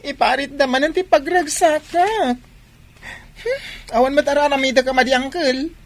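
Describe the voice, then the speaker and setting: A man's voice: very high voice, moderate pace. A man playing an effeminate, flamboyant gay son with an Ilocano accent in a comedy radio drama, given to campy exclamations. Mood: campy protest.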